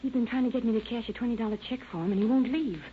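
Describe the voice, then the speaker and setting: A woman acts out a polite, anxious American shopgirl in a 1930s radio drama. Her voice sits fairly high on a muffled, lightly hissing recording. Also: rapid-fire, lightly acted. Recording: dull, noisy old radio recording.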